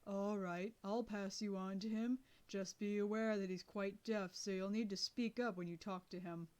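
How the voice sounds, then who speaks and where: A deep-voiced man answers calmly and takes his time, as a woman narrator puts him on. The words come out measured, pitched below her own reading. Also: lightly acted.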